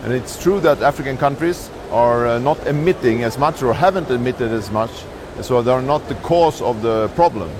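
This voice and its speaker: Man from Sweden, halting outdoor interview. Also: medium pitch. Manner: measured, with frequent filler pauses. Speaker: embassy staff interviewed at a summit. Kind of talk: street interview. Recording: outdoor noise.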